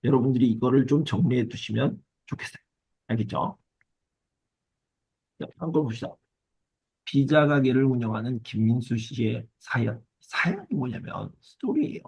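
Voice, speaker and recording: A male teacher gives an exam-prep lesson in a husky voice with a gravelly edge. He works step by step, repeats key words and checks in with his students often. The sound is dry and close, with no room echo. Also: mid-range voice, a little mellow. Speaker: Korean language teacher.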